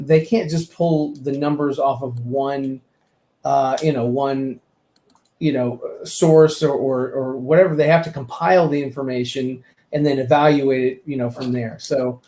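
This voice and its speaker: A man's voice: medium pitch, steady tone, moderate pace, warm tone. A man chatting casually and giving opinions on films, rambling and often repeating his words. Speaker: panelist on a fan talk show. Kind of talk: casual opinionated film chat. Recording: echoey room.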